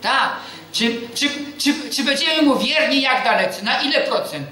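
Speaking unhurriedly in a very high voice, a man gives a sermon in a strongly echoing church hall. He fires questions at the congregation that he answers on his own, and recounts personal stories packed with animated dialogue.

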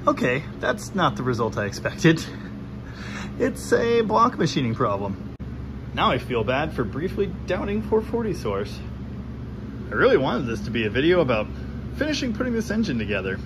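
In a cluttered home garage, a man explains an engine build in a casual, animated way, his pitch swinging with lively, dry humor as he gestures and shows off parts. He speaks at a moderate pace, and the camera mic catches a constant background hum in the noisy room.

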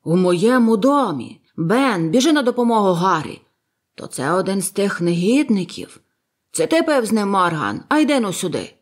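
A loud, bossy one-legged old sea cook who blusters and barks orders, as a woman reader puts him on. The voice sits higher and louder than the reader's usual telling. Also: big pitch swings, normal speed. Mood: blustering. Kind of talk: audiobook character voice.

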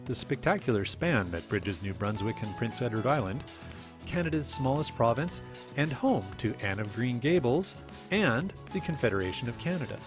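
A man in his forties hosting a geocaching travel vlog, talking in an upbeat, playful tour-guide way. He films himself outdoors with a camera held at arm's length. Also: mid-range voice. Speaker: geocaching vlogger host. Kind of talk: travel vlog with voice-over narration. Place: outdoors at seaside and trails. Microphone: handheld camera at arm's length.

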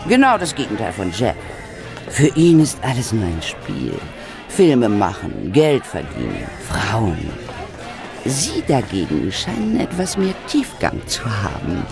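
Affected, theatrical film diva for radio drama: haughty, extremely varied intonation. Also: female voice, very deep voice, wildly swooping pitch, unhurried, vocal fry, exaggerated voice. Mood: intense. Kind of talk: German radio play acting. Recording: party crowd and music behind.

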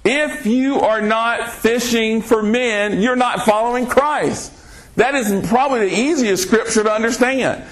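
A man preaching a sermon on a podcast, reading scripture aloud and pressing listeners with rhetorical questions. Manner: slow, emphatic delivery with sudden pitch swings.

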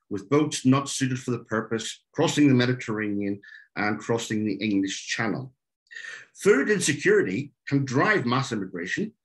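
An Irish man presents an online talk with earnest conviction. His voice moves lively up and down, and he leans on small fillers as he goes. It sounds like a video call. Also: medium pitch. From Ireland. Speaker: speaker. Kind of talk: webinar talk.

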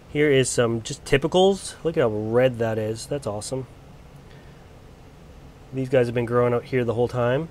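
A man's voice: mid-range voice, a little mellow. Guy with a bit of a cold rambling through his plant shelves, lots of ums, holding the camera. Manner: chatty, loose, lots of ums and restarts. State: getting over a cold. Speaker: plant grower showing his collection. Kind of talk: casual filmed walk-through. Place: indoor grow area under bright lights.

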